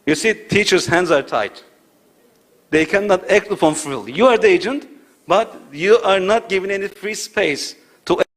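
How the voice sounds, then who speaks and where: Male academic speaker, fairly high voice, lecturing in an auditorium, rhetorical, keeps checking in with listeners. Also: lively intonation, moderate pace, fairly bright tone. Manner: rhetorical, checks in with "right?" and "you see". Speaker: conference speaker.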